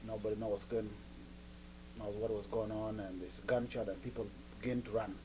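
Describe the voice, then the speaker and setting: A man from Sudan speaks English, his voice set somewhat low. He tells his story plainly and simply, often with "you know," while a clear electrical hum runs beneath the recording. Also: flat delivery, a little fast. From South Sudan. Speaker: refugee interviewee. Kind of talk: recorded interview testimony.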